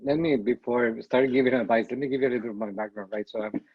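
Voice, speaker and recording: Middle-aged man from Costa Rica, founder on a panel, halting delivery, dry lo-fi call audio. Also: medium pitch, steady tone, slightly rough, dry recording. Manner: halting, repeats words while thinking. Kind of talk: casual panel talk. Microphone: video call.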